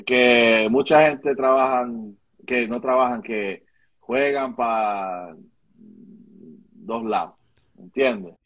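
A music video director gives casual interview answers in Spanish with a Caribbean accent, echoing his own words and dropping in English phrases. His medium-pitched, fairly bright voice is extremely slow, broken by frequent pauses.

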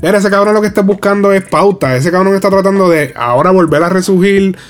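A man's voice: sits high, fast. A man co-hosting a casual entertainment news chat, joking crudely and laughing often. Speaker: podcast co-host.

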